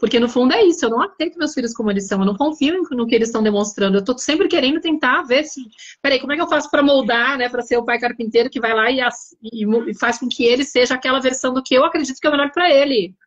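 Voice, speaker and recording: Woman host, high voice, dull lo-fi sound, animated storytelling. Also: racing. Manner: animated storytelling with quoted dialogue. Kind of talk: casual live chat.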